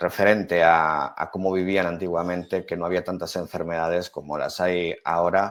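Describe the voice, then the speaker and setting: A man speaks in a very deep, low voice with monotone, flat intonation at a fairly slow pace. The recording is very clean, the background silent. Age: 40s. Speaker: talk show host. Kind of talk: interview. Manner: halting, many fillers and repetitions.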